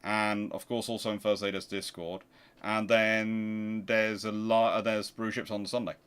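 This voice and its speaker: A man's voice: on the low side, level tone, measured pace, fairly bright tone, clear, resonant tone. A man hosting a livestream in a casual, chatty way, answering viewer questions and often repeating words as he restarts phrases. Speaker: livestream host.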